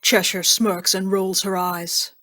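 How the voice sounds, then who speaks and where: A woman's voice: mid-range voice, little pitch movement, slow pace, sharp tone. A woman narrator reading scripted scene headings and action for an audio drama.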